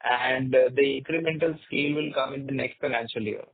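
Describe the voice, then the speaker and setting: A man answering questions as a company executive on an earnings call, explaining in a halting way. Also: medium pitch, fairly even intonation, breathy edge, no echo. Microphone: conference phone call. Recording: narrow tinny phone line.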